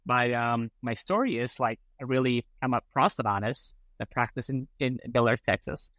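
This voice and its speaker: Man from Colombia, middle-aged, mid-pitched, halting speech full of ums and restarts, dry close mic. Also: a bit bright, no echo. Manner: halting, many fillers and restarts. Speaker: guest, prosthodontist. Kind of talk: casual interview talk.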